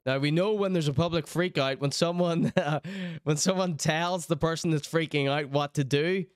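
A middle-aged reaction video host offers sarcastic, mocking, amused commentary in a smooth, fairly high voice at a moderate pace. He sits in a small indoor streaming room with a studio mic close to his mouth, giving a dry, studio-quality sound.

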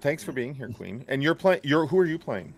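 A man's voice: medium pitch, very animated, a little fast. A man hosting a charity game stream on a headset, upbeat and introducing guests. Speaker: stream host. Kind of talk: casual chat.

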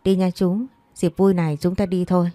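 In this audiobook scene, a cheeky young man in his twenties rattles off teasing banter, as a woman reader puts him on. The voice sits low and mellow and is recorded close and dry. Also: flat delivery, no room sound, soft background music, lightly acted. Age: 20s. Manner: quick, needling banter.

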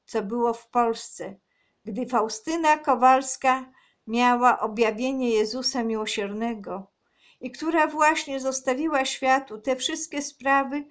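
A woman on her own channel reading a religious book aloud in a slow, measured, earnest way. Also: a little high.

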